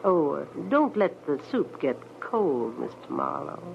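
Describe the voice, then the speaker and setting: Bereaved, fatalistic older-generation mother, very expressive intonation, quietly probing, dull vintage radio sound. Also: low voice, a little slow, creaky, music in the background, heavily acted. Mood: politely hospitable. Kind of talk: 1940s radio drama acting. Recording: muffled old radio recording, faint noise.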